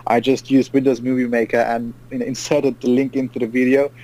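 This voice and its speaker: A man's voice: mid-range voice, flat delivery, a little fast, mellow, poor audio. A man in his thirties from Germany, a trading podcast guest who talks in an upbeat, rambling way and laughs often. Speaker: guest, trader. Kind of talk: casual interview.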